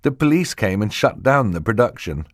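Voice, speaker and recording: A man voicing a bookish, anxious young boy in an audiobook, speaking quickly and earnestly. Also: lowish voice, big pitch swings, no echo, studio quality, pitched above the performer's own voice. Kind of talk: audiobook character voice.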